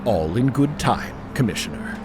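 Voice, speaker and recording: A man's voice: fairly low pitch, animated, normal speed, heavy background noise, natural voice. A man playing a polite, precise scientist in an audio drama, speaking formally with small hesitations. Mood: polite, measured. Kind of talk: audio drama character acting.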